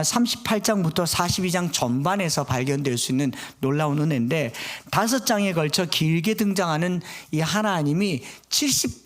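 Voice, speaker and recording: A middle-aged man preaching a sermon as pastor, earnestly voicing God's questions with rising force. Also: sits high.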